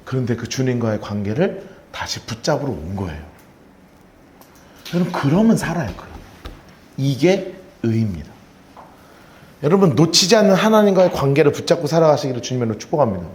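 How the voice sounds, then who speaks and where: A man's voice: mid-range voice, sing-song, fast talker, darkish tone, slight background noise. A male pastor preaching a sermon, retelling Bible scenes and leading the congregation in call-and-response. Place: church sanctuary. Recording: echoey church sanctuary.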